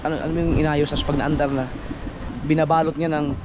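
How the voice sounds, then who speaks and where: A man's voice: on the high side, level tone, brisk, noisy background. A man talking casually about his boats and engines, bantering with neighbors. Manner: chatty, playful teasing with a child. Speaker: fisherman vlogger. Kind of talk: casual vlog chat. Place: outdoors by the sea.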